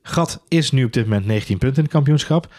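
A man co-hosting a casual racing podcast, talking quickly with many fillers and dry jokes. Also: mid-range voice, lively intonation, darkish tone, dry recording. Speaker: podcast co-host. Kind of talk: casual Formula 1 chat.

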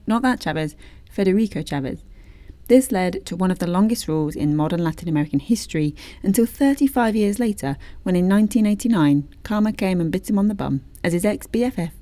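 Female host-narrator, warm tone, dry close recording, scripted but cheeky. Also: mid-range voice, no echo. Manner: wry, informal asides.

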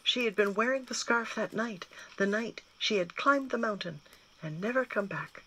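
A woman's voice: medium pitch, normal speed, rough recording. A woman reading a children's novel aloud, telling it expressively. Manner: expressive storytelling. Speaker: guest reader.

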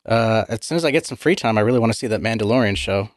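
A man's voice: fairly low pitch, expressive, racing, no room sound, clean studio sound. A man co-hosting a podcast in casual chat, with a wry, teasing manner. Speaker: podcast co-host.

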